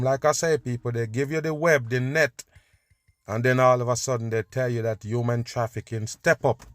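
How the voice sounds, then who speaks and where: A man's voice: medium pitch, dry recording. A man hosts a reaction show and talks back at the clips with emphatic scorn, in a mid-range voice. His voice sounds dry and close, with faint music under it. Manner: emphatic, scornful, repeats "pay attention". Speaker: host reacting to video clips. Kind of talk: reaction commentary.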